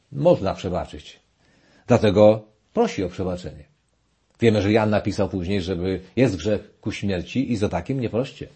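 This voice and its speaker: Mellow, husky man giving a Bible lecture. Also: mid-range voice. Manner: reads scripture aloud and comments, with many restarts. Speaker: preacher.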